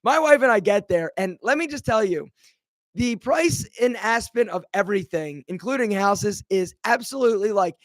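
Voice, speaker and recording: A man hosting a casual live Q&A, chatting energetically and greeting viewers by name, his voice rough from seasonal allergies. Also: high voice, lively intonation, moderate pace, dry recording. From Philadelphia. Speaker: livestream host.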